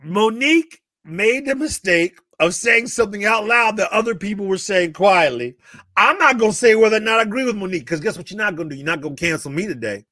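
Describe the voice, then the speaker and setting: A man co-hosting a casual podcast, animated and joking, with loud bursts of laughter. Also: sits high, fast talker, dry recording, studio quality. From northern US. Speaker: co-host.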